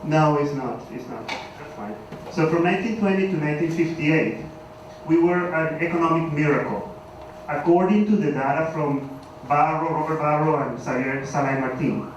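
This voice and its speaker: A man's voice: fairly high pitch, moderate pace. A man from Venezuela with a Venezuelan Spanish accent, speaking English as a conference panelist, self-deprecating and a bit hesitant. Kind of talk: conference remarks. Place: large conference hall. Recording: echoey hall, speaker far from mic, background noise.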